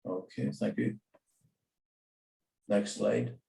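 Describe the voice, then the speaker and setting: A man's voice: fairly low pitch, steady tone, extremely slow, gravelly, warm tone, reverberant, far from the mic. A man chairing an online information session as a nursing educator, speaking hesitantly with many fillers.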